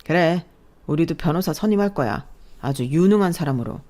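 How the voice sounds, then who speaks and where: A woman's voice: low-pitched, lively intonation, brisk, dark tone. A woman voicing a scheming, defensive young man, a sneering ex-fiancé in a storybook drama. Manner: sneering, contemptuous.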